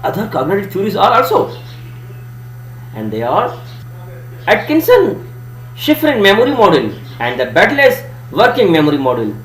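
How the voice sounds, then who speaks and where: A man with a South Asian accent, a native Urdu speaker, delivers a lesson as a presenter. His voice sits high and swings widely as he stresses key terms in a didactic way. The room is echoey around him. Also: wildly swooping pitch, normal speed, long pauses, fairly bright tone. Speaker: student presenter giving a lesson. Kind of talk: educational presentation. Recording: echoey room, faint hum and hiss.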